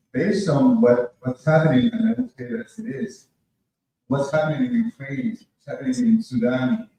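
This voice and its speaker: A man's voice: high-pitched, dark tone. A young man makes an emphatic statement and question from the audience at a conference, listing points with repeated phrasing. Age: young adult. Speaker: audience member asking a question. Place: large indoor conference room. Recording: echoey hall, distant mic, faint noise.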